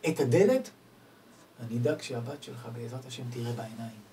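A man voicing a calm, saintly old rabbi who speaks quietly and gently. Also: mid-range voice, pitched below the performer's own voice, close to an everyday voice. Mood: gentle. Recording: distant mic, faint background noise.

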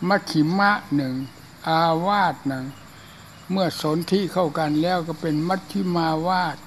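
An elderly monk gives a loose, chatty dharma talk, slipping into acted voices for his funny stories. His voice sits high for a man, with a faint hiss of noise under it. He is hard of hearing. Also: normal speed, gravelly. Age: older. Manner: chatty and humorous, acts out voices in anecdotes. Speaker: Buddhist monk. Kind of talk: informal dharma talk and storytelling.

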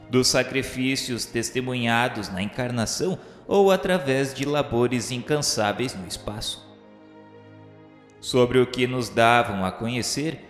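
A Brazilian man narrating a scripted audio drama in a solemn, formal literary manner. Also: mid-range voice. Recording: roomy long reverb, music underneath. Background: music.

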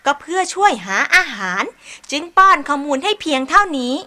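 A woman's voice: high voice, animated, a little fast, sharp tone. A woman voicing a clever, cheerful inventor ant who proudly explains her robot. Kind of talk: cartoon voice acting.

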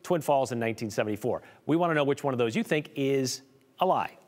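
A middle-aged man hosting a TV segment in a studio, playful and jokey, reading trivia with a lively delivery. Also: medium pitch, fast, in a large hall. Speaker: TV show host. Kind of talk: lively scripted TV segment with jokes. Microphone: studio mic, standing presenter.

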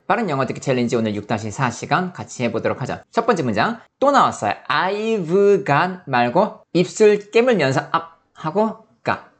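A Korean-speaking English teacher who explains pronunciation quickly and drills phrases slowly with exaggerated intonation. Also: mid-range voice, big pitch swings. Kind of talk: explanatory language lesson.

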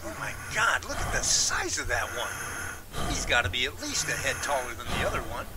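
An actor playing a blunt, seasoned Bigfoot adviser in a radio drama. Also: male voice, mid-range voice, huge pitch swings, moderate pace. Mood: awed. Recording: loud noisy background ambience.

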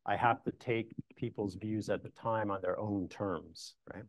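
Middle-aged guy historian at a lectern, lowish voice, dry close sound, thoughtful and measured. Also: fairly even intonation, dry recording. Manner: measured, thoughtful, frequent restarts. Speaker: historian giving a talk. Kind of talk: lecture Q&A answers. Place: meeting room with an audience.

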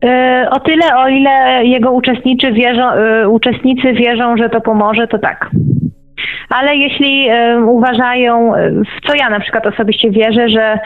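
A woman's voice: fairly high pitch, fairly even intonation, normal speed. A woman speaking as an interview guest, explaining things conversationally over a tinny line. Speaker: interview guest, writer and lecturer.

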